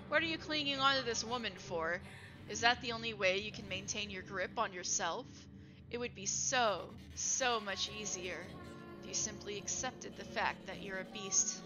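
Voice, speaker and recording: A woman voicing a cold, mocking inner voice that taunts slowly and quietly. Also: mid-range voice, natural voice. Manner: slow, sneering, quiet.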